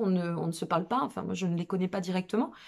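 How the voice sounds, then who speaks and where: A woman speaks at a medium pitch with a Burgundy accent. Her pace is fairly quick. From Burgundy, France. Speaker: tarot reader and spiritual guide. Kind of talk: casual monthly update to viewers. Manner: chatty, hesitant with many fillers.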